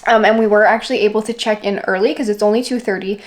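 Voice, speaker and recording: A woman's voice: medium pitch, fairly even intonation, quick pace, a little hiss or hum. A woman talking casually to camera as a travel vlogger, in an informal, conversational way with "like" sprinkled through. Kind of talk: casual vlog chat to camera.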